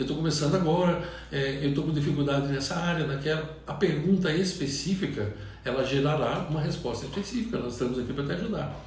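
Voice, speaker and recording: Speech races at a very fast pace with ordinary pitch variation, amid noticeable background noise and audible room echo. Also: man. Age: 50s. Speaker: business coach YouTuber. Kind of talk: casual chat.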